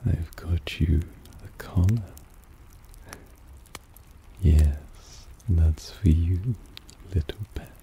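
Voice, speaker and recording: A man playing a possessive, softly dominant vampire in an intimate ASMR roleplay, breathy and often half-whispered, teasing and coaxing. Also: low voice, extremely slow, pauses often, slight background noise, heavily acted. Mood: tender, possessive. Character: possessive, softly dominant male vampire doting on his pet.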